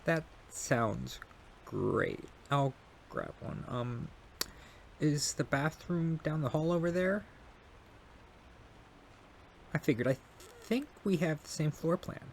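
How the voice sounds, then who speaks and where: Man playing a shy, gravelly-voiced young neighbor guy. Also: fairly high pitch, takes it slowly, slight background noise. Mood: apologetic, polite. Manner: hesitant, apologetic, stammering, soft-hearted. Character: shy, polite, kind young male neighbor caught in rain. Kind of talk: intimate ASMR roleplay audio drama.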